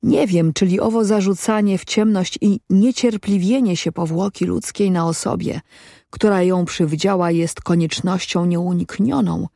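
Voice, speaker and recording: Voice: medium pitch, steady tone, normal speed, creaky, warm tone, no room sound, clean studio sound. A storyteller voicing a solemn, philosophizing black goat in an audiobook, speaking in an archaic, ponderous way. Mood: solemn musing. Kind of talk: audiobook reading.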